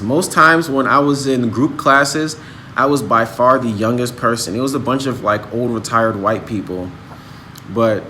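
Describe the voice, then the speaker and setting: A man's voice: medium pitch, bright, forceful tone, a little hiss or hum. A man in his thirties talking casually and earnestly to his viewers about learning languages, with many restarts. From United States. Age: 30s. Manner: earnest, motivational, talks in restarts. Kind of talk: casual vlog monologue. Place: outdoors, then a restaurant.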